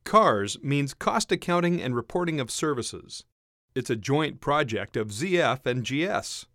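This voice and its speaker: A male voiceover narrator with a mid-pitched voice that moves through lively, varied intonation. He reads scripted training material in a clearly enunciated, instructional way. The sound is close and dry, as from a studio microphone. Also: a little slow, no room sound. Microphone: close studio voiceover mic.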